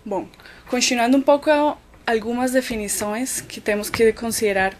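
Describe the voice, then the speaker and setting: A woman's voice: a little high, normal speed. A woman from Colombia, a physician and researcher with a Colombian Spanish accent, giving an academic web lecture with frequent filler words. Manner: thoughtful, many "então" and "é" fillers while explaining.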